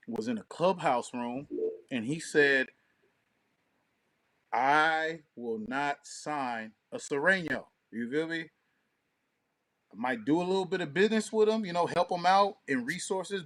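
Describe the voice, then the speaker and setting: A man's voice: mid-range voice, fairly bright tone. An American man co-hosting a podcast with casual, profane, slang-heavy commentary, punctuated by checking tag phrases. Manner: informal, profane, peppers talk with tag phrases. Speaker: podcast co-host.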